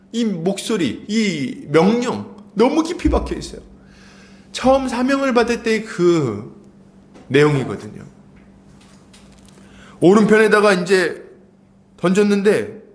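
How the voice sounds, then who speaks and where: A man preaching a sermon as pastor, storytelling with animated, acted-out lines. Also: sits high.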